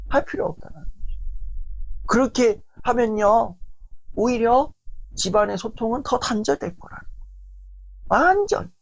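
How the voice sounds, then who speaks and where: A man giving a lecture on family relationships in a lively, rambling way, often acting out family arguments. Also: extremely high pitch, creaky, dry recording. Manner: animated, heavy use of fillers, acts out quoted family arguments. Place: lecture stage.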